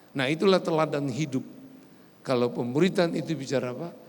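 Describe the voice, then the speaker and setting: The speaker is a man with a fairly high pitch at a moderate pace. Room echo is audible. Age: 70s. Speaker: pastor. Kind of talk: sermon.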